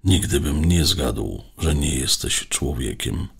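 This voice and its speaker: A man's voice: extremely low pitch, lively intonation, takes it slowly, vocal fry, breathy edge, exaggerated voice. A man voicing a cheerful, teasing teenage boy who is a little nervous. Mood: playful. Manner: playful, teasing.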